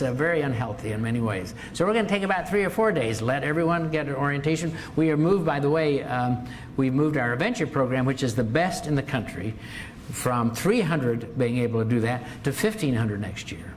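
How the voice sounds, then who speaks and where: An older man addresses an audience in an auditorium, his voice sitting a little high. He leans on words and repeats phrases for emphasis, with a faint hiss of noise behind him. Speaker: university president. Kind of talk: formal speech, then answering audience questions.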